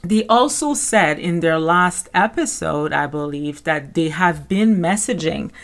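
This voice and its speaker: A woman's voice: deep voice, expressive, unhurried. A woman with a Caribbean French accent hosting a podcast, giving casual, conversational gossip commentary. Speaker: podcast host.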